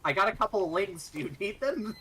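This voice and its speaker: A gamer in casual voice chat, excitable and gushing, laughing often. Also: mid-range voice, fast, slight background noise. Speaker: gamer chatting while playing.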